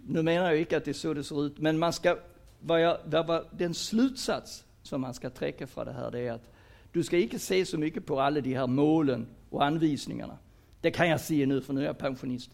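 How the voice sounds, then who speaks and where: High-voiced retired Swedish man lecturing. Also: darkish tone. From Sweden. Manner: mixes Danish words into Swedish. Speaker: lecturer on career guidance. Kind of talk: lecture to an audience.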